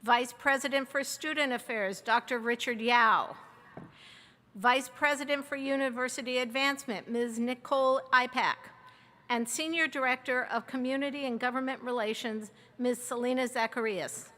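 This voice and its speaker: A woman serving as interim provost, reading formal introductions of names and titles in a measured way. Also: sits high, fairly even intonation, sharp tone, in a large hall. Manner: measured, reads a long list of names and titles. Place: large outdoor or hall ceremony over a PA.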